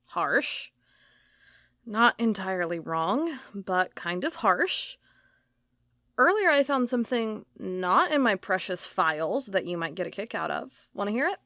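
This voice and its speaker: A woman's voice: medium pitch, expressive, a little slow, sharp tone, dry recording, studio quality. A woman playing a wry young office worker in an audio drama, talking casually and reading aloud in a conversational way. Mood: dry, casual.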